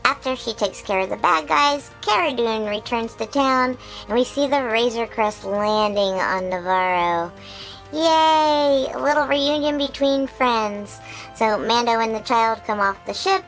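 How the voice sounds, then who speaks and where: A woman voicing an excitable, childlike male creature who hosts a chatty episode recap, bubbly and full of giggles and squeals. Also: on the high side, measured pace, soft background music, low-quality recording. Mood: excited recap. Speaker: recap host.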